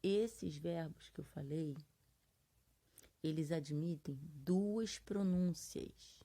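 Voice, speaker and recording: A Brazilian Portuguese teacher speaks in a low, mellow voice, drawing out her words during a classroom grammar lesson. She explains patiently, stretching example words syllable by syllable, with a Brazilian Portuguese accent.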